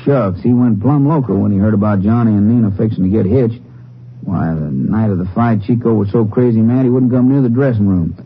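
A man's voice: lowish voice, a little fast, lightly acted. A man playing a sick, gossipy country fellow in 1950s radio drama, faint and folksy, using rustic slang. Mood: gossipy, ailing. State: ailing, faint. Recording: dull old radio recording, faint noise.

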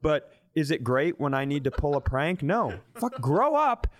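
A man's voice: on the high side, very animated, a little slow. A man co-hosting a comedy podcast, telling casual stories in an irreverent, profane way.

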